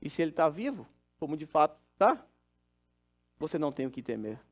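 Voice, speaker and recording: Male pastor, middle-aged, earnest storytelling sermon, voice sits high. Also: big pitch swings, brisk.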